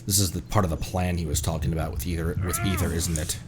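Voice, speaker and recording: A man giving casual live gameplay commentary as a streamer, with an excitable manner. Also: low voice, quick pace, loud music behind the voice. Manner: excitable, animated.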